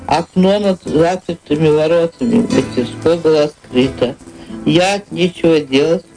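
A woman voicing an old lady solemnly reminiscing in a measured, declaiming way, in a radio drama. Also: sits low, over music, rough recording. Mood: solemn, nostalgic.

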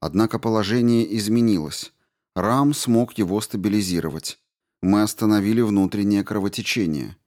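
A man reading a story aloud in a steady, measured narration. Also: fairly low pitch. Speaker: audiobook narrator. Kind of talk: scripted narration.

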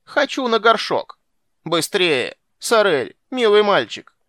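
A man voicing a cranky old male sorcerer who shouts and scolds in a shrill, petulant voice. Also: huge pitch swings, normal speed, no echo, studio quality. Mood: whiny.

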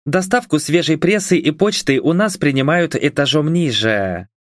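A man's voice: on the high side, animated, moderate pace, no room sound, pitched above the performer's own voice, close to an everyday voice. A courteous young receptionist woman from an audiobook, as a male narrator puts her on. She speaks politely and a little apologetically, in a slightly raised voice. The recording is dry and close.

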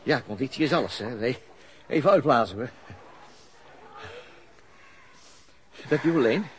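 A man's voice: mid-range voice, expressive, fast, natural voice. An actor playing a wry, self-mocking police detective in a radio drama, dry and sometimes hesitant in his delivery. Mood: polite, hesitant. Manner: dry, sardonic, hesitant when talking. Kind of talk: radio drama dialogue and ironic inner monologue. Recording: noisy radio play with background ambience.

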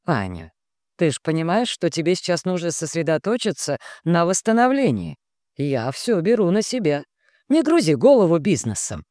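A woman's voice: lowish voice, very animated, normal speed, warm tone, dry recording, studio quality. A woman playing a smug, placating husband. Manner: smooth, placating, condescending. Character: smug, hypocritical husband, adult man.

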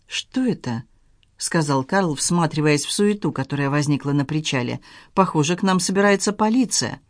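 A narrator reading a novel aloud in an even, measured storytelling manner. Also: medium pitch, dry recording, studio quality.

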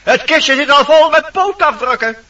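Shrill, fussy dwarf. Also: male voice, lively intonation, normal speed, sharp tone, distant mic, muffled recording, full character voice. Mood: scolding, exasperated. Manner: indignant, theatrical scolding. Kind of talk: theatrical Dutch fairy-tale radio play.

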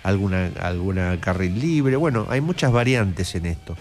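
A man's voice: sits low, lively intonation, normal speed, a little mellow. A middle-aged man with an Argentine accent giving indignant, opinionated political commentary as a radio host at a studio microphone. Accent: Argentine Spanish.

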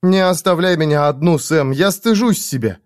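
A man's voice: on the high side, normal speed, pitched above the performer's own voice, close to an everyday voice. Jisbella, a man voicing a pleading young woman. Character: young woman, shaken and ashamed.

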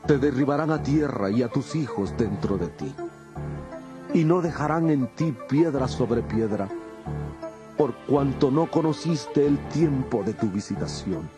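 A grave, authoritative male teacher played by an actor in a dramatized scripture recording. He declaims solemnly in a mid-pitched voice, with faint music behind him. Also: expressive, unhurried, lightly acted. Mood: stern, grieving. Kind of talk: dramatized audio Bible acting.

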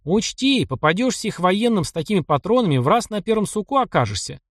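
A man's voice: high-pitched, very animated, quick pace, no echo, studio quality, voice pushed up. A man reading the lines of a stern, grumbling male counterintelligence officer in an audiobook. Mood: skeptical. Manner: grumbling, reproachful.

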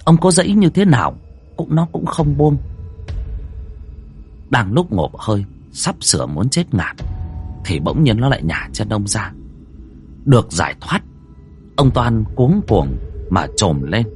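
A man narrating a ghost story in a vivid, suspenseful way. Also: medium pitch. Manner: vivid, suspenseful, swings widely between hush and alarm. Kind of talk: dramatic storytelling.

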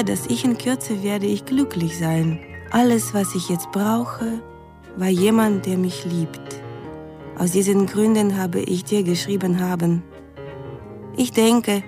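An actress playing an earnest young woman, carefully reading out her lovelorn letters in a radio drama. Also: mid-range voice.

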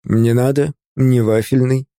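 A man voicing a greying middle-aged male lecturer who grumbles with gentle reproach, read as part of an audiobook. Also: medium pitch, steady tone, measured pace, no echo, clean studio sound, lightly acted. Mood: reassuring.

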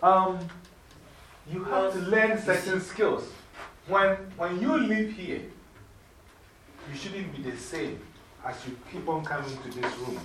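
A middle-aged woman with a Ghanaian accent, mentoring young people in an informal classroom talk, lively and preachy, laughing easily. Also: lowish voice, slow pace, pauses often. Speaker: mentor speaking to youth. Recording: echoey room from far off.

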